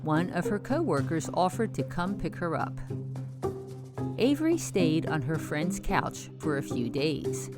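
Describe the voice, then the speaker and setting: A woman's voice: deep voice, very animated, over loud music. Woman narrating a scripted true story. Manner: measured storytelling delivery. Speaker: podcast host narrator.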